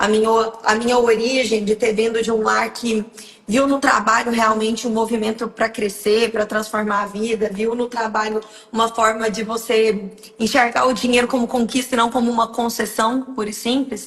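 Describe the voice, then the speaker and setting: Speaking at a moderate pace with a strong Goiás accent, a woman with a fairly high pitch keeps a monotone, flat intonation over noticeable background noise. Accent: strong Goiás (goiano). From Brazil, Goiânia (Goiás). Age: 20s. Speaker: entrepreneur, fashion brand founder. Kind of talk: interview on a live stream.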